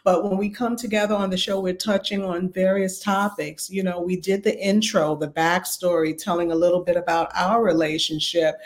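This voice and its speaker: A woman with a slightly raspy voice, a pastor and relationship coach, talking as a podcast guest in a calm, measured way. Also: fairly low pitch.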